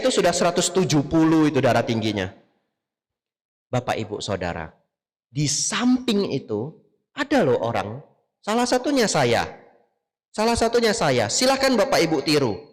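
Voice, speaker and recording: A Buddhist monk, a man, preaches to his listeners with a lively, swooping voice, keeps turning to them with questions and addressing them directly. His talk rings out with the long reverb of a large hall. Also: sits high. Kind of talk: sermon to a live audience.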